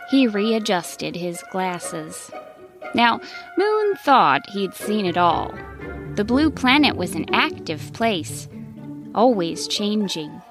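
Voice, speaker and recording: A woman storyteller narrating a children's bedtime story expressively, in deliberate short phrases with dramatic pauses. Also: mid-range voice, sing-song. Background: music.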